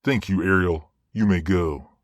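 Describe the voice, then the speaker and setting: Male angel judge, voiced by an actor: low, formal, commanding yet fair, with a dry, close sound. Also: a little slow, no echo. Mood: authoritative. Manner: formal, commanding, even-handed. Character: measured, authoritative male judging archangel. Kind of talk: dramatic audio roleplay acting.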